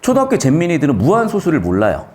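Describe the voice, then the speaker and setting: A man lecturing students on grammar, asking quick questions and answering them himself, shifting between polite and blunt speech. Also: fairly high pitch. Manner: lively, questioning, answers his own questions.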